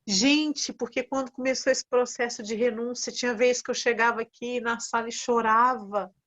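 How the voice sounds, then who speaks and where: A woman hosting a casual Christian conversation, talking with lively feeling and acting out prayers in quotes. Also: fairly high pitch, moderate pace. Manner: animated, acts out prayers in quotes. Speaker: host of a Christian women's talk. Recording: dull lo-fi sound.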